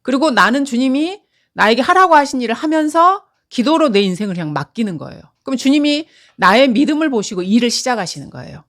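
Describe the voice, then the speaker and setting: A woman's voice: a little high, sing-song, quick pace, a bit bright. A middle-aged woman teaching a Bible lesson in an earnest, conversational way, with frequent fillers.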